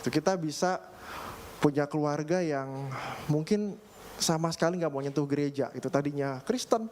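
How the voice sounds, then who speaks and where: A young man, a pastor, preaching a casual, storytelling sermon with lots of filler phrases and throat clearing. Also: fairly high pitch, normal speed, darkish tone. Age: young adult. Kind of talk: conversational sermon. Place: church. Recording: faint background noise.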